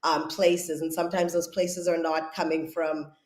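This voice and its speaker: A woman's voice: low voice, level tone, normal speed, a little mellow. A woman, a writer and director, talking thoughtfully in an interview, often searching for her words. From South Africa. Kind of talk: reflective conversational interview. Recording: echoey room.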